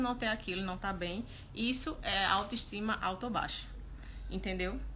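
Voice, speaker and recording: Audible room echo, a moderate pace, and ordinary pitch variation. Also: woman. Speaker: self-help coach. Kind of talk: live stream talk. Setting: live stream.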